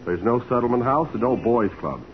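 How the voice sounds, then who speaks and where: Actor as wisecracking sidekick, noisy old radio. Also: male voice, medium pitch, animated, brisk, lightly acted. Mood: breezy, wry. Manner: flippant, casual. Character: breezy, wisecracking male reporter-type sidekick. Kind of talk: 1940s radio drama acting. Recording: dull, noisy 1940s radio recording.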